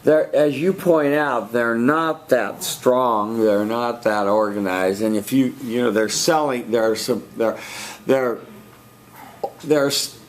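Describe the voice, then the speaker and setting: A man's voice: mid-range voice, slow pace, rough recording. A man teaching a speech class, giving spoken feedback in a loose, conversational way with fillers and restarts. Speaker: speech instructor.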